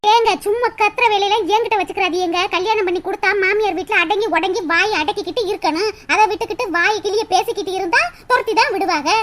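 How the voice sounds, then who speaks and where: A combative young wife from a cartoon, voiced by a woman, who answers everything with sarcasm and mocking laughter. Her voice sits very high and runs quick. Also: noisy background. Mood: scolding. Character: sharp-tongued young wife, scornful and combative. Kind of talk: cartoon voice acting.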